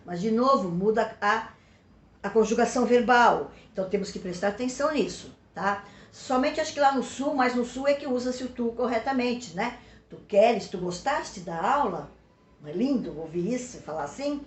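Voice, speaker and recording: A woman with a Brazilian Portuguese accent, a teacher giving a recorded remote school lesson. She talks patiently, checks in often with short questions, and stretches example words out slowly. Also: a little high, expressive, echoey room.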